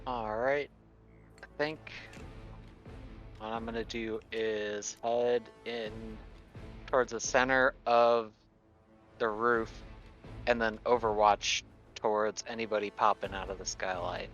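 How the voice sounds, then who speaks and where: A man with a fairly low voice casually talks as a tabletop game player. He speaks slowly, and the sound is a bit dull and lo-fi. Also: steady tone, fairly bright tone, faint music behind. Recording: dull lo-fi audio.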